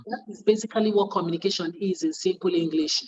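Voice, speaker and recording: A woman's voice: on the low side, quick pace, lo-fi sound, a crowd in the background. A woman, a media training facilitator, teaches trainees in an earnest way and repeats her points for emphasis. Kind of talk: spoken lesson to trainees.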